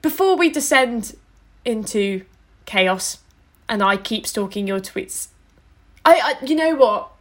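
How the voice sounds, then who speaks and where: A woman's voice: on the high side, slow, long pauses. Teasing woman co-hosting a podcast. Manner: teasing, animated. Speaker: podcast co-host. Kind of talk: casual sports podcast chat.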